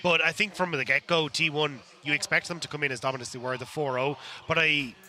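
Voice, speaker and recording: A man giving analytical esports desk commentary in rapid, running analysis. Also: on the high side, steady tone, pushed and bright, faint music behind.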